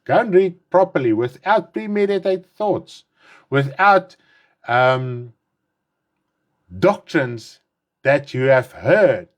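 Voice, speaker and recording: Speaking slowly and pausing often, an Afrikaans-speaking pastor from South Africa in his fifties gives a heartfelt online sermon in English with a strong Afrikaans accent. His lively intonation climbs on stressed words and falls at the close of phrases. He has a dry mouth and keeps restating his points.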